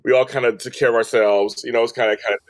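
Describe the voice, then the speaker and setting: A man's voice: medium pitch, racing, no room sound. An American man in his fifties chatting casually and jokingly as a podcast guest. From Los Angeles, United States. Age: 50s. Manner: animated, joking, conversational. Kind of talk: casual interview chat.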